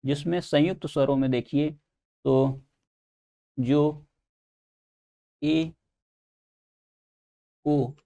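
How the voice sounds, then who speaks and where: A man's voice: fairly high pitch, fairly even intonation, drawn-out words, long pauses, dark tone, dull audio. A man teaching an online exam-prep lesson, explaining step by step and answering his own questions.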